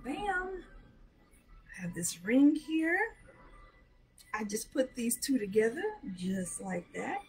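A middle-aged woman with a hoarse voice, chatting casually as she shows jewelry to a webcam in a small room. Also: fairly high pitch, sing-song. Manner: chatty, slow, showing items up close. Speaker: jewelry seller. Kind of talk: live sales show chat. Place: small decorated room indoors. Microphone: webcam at arm's length.

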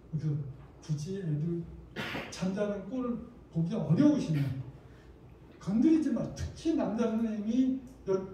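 A man with a high, mellow voice leads a lively training session for teachers, acting out classroom lines. He is caught from a distance in a very echoey room, with faint noise underneath. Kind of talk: lecture to teachers.

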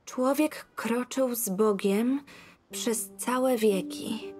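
A young woman in a dubbed film, reading a religious passage aloud slowly and carefully. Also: a little high, a little mellow, faint music behind.

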